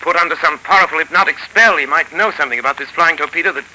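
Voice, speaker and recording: An actor playing an earnest, urgent young gentleman detective in a 1930s radio drama. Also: fairly high pitch, racing, low-quality recording. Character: confident young gentleman sleuth. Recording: old radio broadcast, faint hiss.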